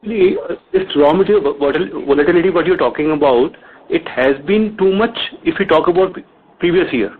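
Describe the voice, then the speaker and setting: Husky, highish Indian man on phone. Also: expressive, fairly quick. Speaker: company executive answering questions. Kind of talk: earnings call explanation. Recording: narrow phone conference line.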